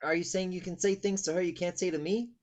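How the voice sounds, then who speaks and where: A man's voice: high-pitched, steady tone, quick pace, a little mellow, natural voice. A man playing a skeptical, probing best friend in a table read of a film comedy. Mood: incredulous, probing.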